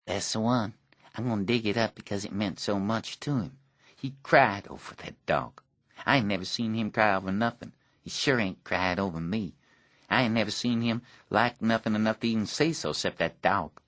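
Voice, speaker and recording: A man's voice: lowish voice, moderate pace, fairly bright tone, no echo, voice pushed up, lightly acted. Man voicing a bitter teenage boy.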